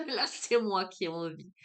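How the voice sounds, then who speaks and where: A woman's voice: medium pitch, sing-song, slow, fairly bright tone. A woman with a southern French accent, giving a spiritual card reading. She talks hesitantly with many fillers, then turns emphatic. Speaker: oracle card reader.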